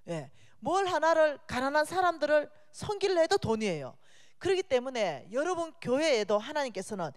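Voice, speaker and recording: A woman giving a sermon as a guest speaker in a church, animated and chatty, joking with the congregation. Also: high-pitched. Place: church sanctuary. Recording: long reverb of a church hall.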